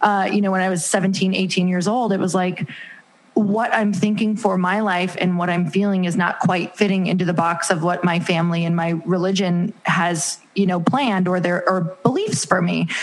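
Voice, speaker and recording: Amid noticeable background noise and audible room echo, a woman with an American accent speaks at medium pitch and a moderate pace. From Michigan (Upper Peninsula). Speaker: entrepreneur and podcaster. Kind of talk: interview. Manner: animated.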